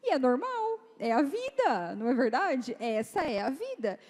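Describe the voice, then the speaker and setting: A woman's voice: high voice, moderate pace. Chatty woman speaker in a reverberant hall. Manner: lively, chatty, acts out dialogue in quoted voices. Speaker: guest speaker at a youth church meeting. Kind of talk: informal talk to teenagers. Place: church hall. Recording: long reverb of a church hall.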